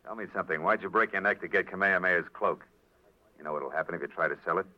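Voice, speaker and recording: A man's voice: low voice, very fast, close to an everyday voice. A man playing a tough, wry private detective who narrates and talks in clipped, wisecracking lines in a 1940s-style radio drama. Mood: hard, sardonic. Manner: clipped, wisecracking, hard-boiled delivery. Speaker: lead actor and narrator. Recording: dull old radio broadcast recording with music.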